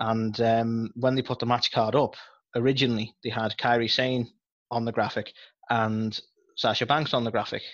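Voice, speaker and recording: A man's medium-pitched voice, flat and monotone, at a moderate pace over a quiet background. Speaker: podcast co-host. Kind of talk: casual podcast chat about wrestling.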